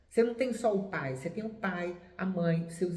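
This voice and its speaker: Over noticeable background noise and audible room echo, a woman speaks at a fairly slow pace with a medium pitch. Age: 60s. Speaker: spiritual therapist and family constellation coach. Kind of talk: motivational talk to viewers.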